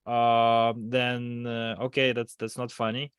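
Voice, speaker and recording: A man with a mid-pitched voice chats casually as a podcast co-host. His phrasing is hesitant and halting, and the sound is very dry. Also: monotone, smooth, no room sound.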